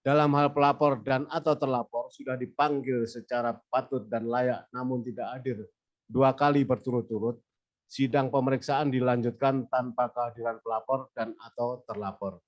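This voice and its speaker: A man's voice: medium pitch, steady tone, moderate pace, lo-fi sound. A man with a cold presenting at a weekly discussion, reading formal legal procedures aloud from slides and moving through them point by point. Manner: reads formal legal text, says next slide between points. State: has a cold.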